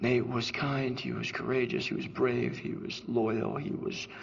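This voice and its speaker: A man talks with lively intonation at a fairly slow pace, noticeable background noise behind him. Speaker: actor playing a grieving fighter. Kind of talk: raw, confrontational eulogy at a funeral. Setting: funeral in front of mourners. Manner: grief turning into profane, defiant fury; challenging the crowd with taunting pauses.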